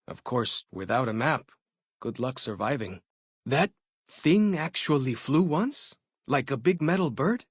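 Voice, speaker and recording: A man's voice: mid-range voice, husky, dry recording, studio quality, full character voice. A man playing a friendly, curious young tribal scout and guide in a video game, chatty and folksy. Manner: folksy, chatty, inquisitive, easygoing phrasing. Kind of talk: video game companion dialogue.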